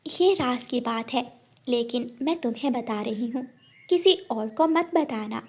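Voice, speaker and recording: A woman's voice: fairly high pitch, unhurried. A woman voicing Rano, a brave sparrow. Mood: sly. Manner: proud, determined.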